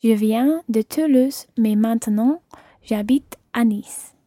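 Soft-toned woman repeating phrases carefully. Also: on the high side, no echo, clean studio sound. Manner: careful, measured repetition. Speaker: learner on a language podcast.

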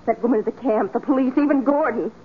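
High-pitched, anguished jailed woman. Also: quick pace, husky. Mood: defiant. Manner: emotional, anguished, protesting. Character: distraught, defensive young woman jailed for murder. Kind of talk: 1940s radio acting. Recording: noisy, tinny 1940s radio recording.

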